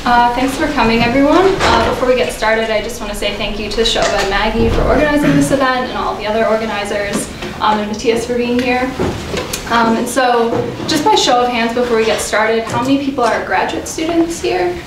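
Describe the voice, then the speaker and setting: Young woman, panel moderator, bright friendly voice, far from the mic. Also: a little high, brisk. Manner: friendly, with frequent "um"s. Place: lecture room with whiteboards. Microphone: room mic from a distance. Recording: echoey room, distant mic, noisy.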